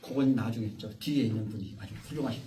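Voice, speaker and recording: A man's voice: medium pitch, fast, warm tone, a little hiss or hum. A man giving an informal, rambling lecture to a small group, often interrupted by the audience. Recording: echoey room, far from the mic.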